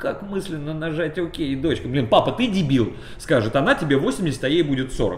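A fairly high-pitched man with lively intonation amid noticeable background noise. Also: moderate pace. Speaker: TV host. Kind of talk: casual chat. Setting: studio.

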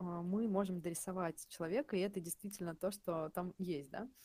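This woman's voice has a dark, mellow tone. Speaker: podcast host. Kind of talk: interview conversation.

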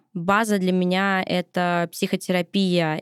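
A woman with an ordinary speaking voice speaks at a fairly low pitch with ordinary pitch variation, recorded very cleanly against a silent background in a dry, close sound with no echo. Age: 30s. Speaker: entrepreneur and influencer. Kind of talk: interview.

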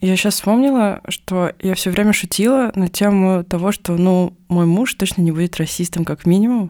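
In a very clean recording with a silent background, a woman with a dark, mellow tone and medium pitch speaks at a moderate pace with ordinary pitch variation, very even loudness and hardly any pauses. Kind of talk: casual chat.

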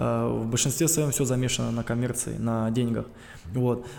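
This man has an unremarkable speaking voice. His medium pitch holds fairly even intonation. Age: 20s. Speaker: martial arts champion. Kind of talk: interview. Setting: studio.

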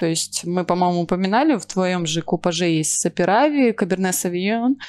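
Here is a woman with an unremarkable speaking voice at medium pitch. She talks at a moderate pace with ordinary pitch variation. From Transnistria, Moldova. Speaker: sommelier and travel guide. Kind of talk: casual chat.

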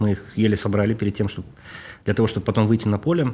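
The speaker is a man with a medium-pitched voice. The recording is very clean, with a silent background. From Russia, Urals (Nizhny Tagil). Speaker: football analyst. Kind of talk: interview.

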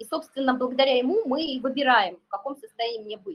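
A woman speaks at a high pitch. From Russia, Nizhny Novgorod. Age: 50s. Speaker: psychologist and business trainer. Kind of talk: podcast interview.

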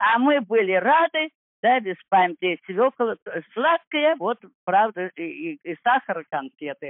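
A woman with a fairly high voice talks at a very slow pace. Her pitch swings very widely. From rural Russia. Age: 80s+. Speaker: war-time childhood eyewitness. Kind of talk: interview reminiscence.

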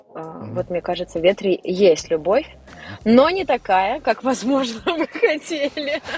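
A woman speaks at a fairly slow pace with a fairly high pitch, very wide pitch swings and big swings in loudness. Music plays in the background. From Russia, Orsk (Orenburg region). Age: young. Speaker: novelist. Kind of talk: casual chat.

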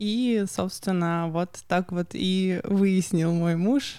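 Speaking at a very slow pace, a woman has a dark, mellow tone, a medium pitch and fairly even intonation. The recording is very clean, with a silent background. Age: 20s. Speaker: divorced mother sharing her story. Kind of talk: casual chat.

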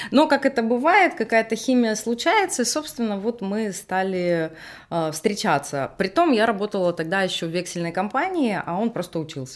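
Her voice sits fairly high and moves at a moderate pace. She swings through a very wide pitch range. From Transnistria. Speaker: stylist. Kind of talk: casual interview chat. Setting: studio.

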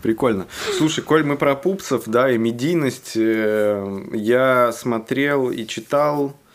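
The speaker is a man with a medium-pitched voice. He goes at a very slow pace with ordinary pitch variation. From Tolyatti, Volga region, Russia. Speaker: podcast host. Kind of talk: casual interview.

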